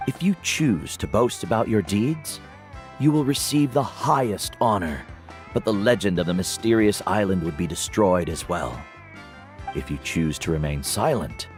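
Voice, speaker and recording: Man acting a wise, deep-voiced tribal mentor. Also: natural voice. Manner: measured, earnest, explanatory. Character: wise older male tribal guide and mentor, kindly and measured. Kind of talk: scripted game dialogue. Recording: background music under the dialogue.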